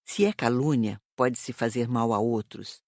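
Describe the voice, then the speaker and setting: A woman playing a calm, serious spirit teacher in an audiobook, speaking in a measured, didactic way. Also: extremely low pitch, dry recording, clean studio sound, heavily acted. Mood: reassuring. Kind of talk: audiobook dialogue.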